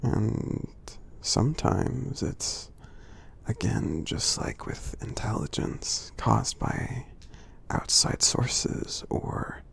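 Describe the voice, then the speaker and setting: A man playing a kind, gentle giant in an ASMR roleplay, speaking softly and reassuringly in a husky, half-whispered voice with many pauses. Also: expressive, heavily acted. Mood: soothing, supportive. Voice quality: husky, breathy, gravelly low voice. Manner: slow, gentle, reassuring, pausing often. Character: gentle friendly male giant, supportive and kind.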